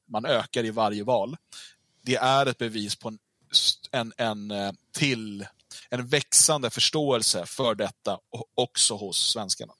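A man arguing as a guest in a casual discussion, his voice bright and forceful. He hesitates often and fills gaps with small sounds. The recording is dry and close. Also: mid-range voice, no room sound. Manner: argumentative, hesitant with fillers.

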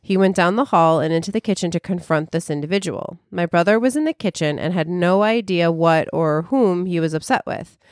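A woman's voice: fairly low pitch, fairly quick, a little mellow, no echo, clean studio sound. A woman co-hosting a podcast, chatting casually and reading a listener's story aloud with frequent restarts. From Chicago. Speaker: podcast co-host.

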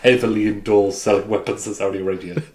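A man's voice: lowish voice, fairly even intonation, quick pace, a little mellow. A young man co-hosting a podcast, chatting about politics in a blunt, heated way and swearing freely. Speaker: podcast co-host. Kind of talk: casual political chat. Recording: echoey room with faint noise.

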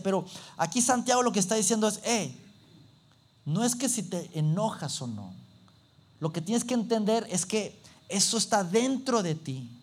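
A man preaching a sermon, animated and acting out little everyday scenes. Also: high voice.

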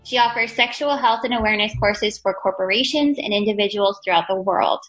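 A woman's voice: mid-range voice, a little fast, fairly bright tone, low-quality recording. A woman hosting a podcast, introducing and praising her guest in an effusive, chatty way. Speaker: podcast host. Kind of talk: casual interview talk.

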